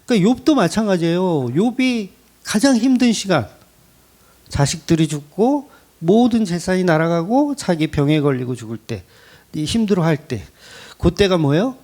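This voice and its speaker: A man's voice: fairly high pitch, normal speed. A man preaching a sermon as a pastor, speaking conversationally and asking his congregation questions. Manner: lively, rising emphasis. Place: church.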